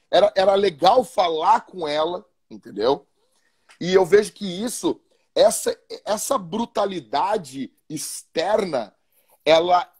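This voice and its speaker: Husky, high-voiced pastor. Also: male voice. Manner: animated, colloquial, repeats and restarts words. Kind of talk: casual podcast talk about marriage.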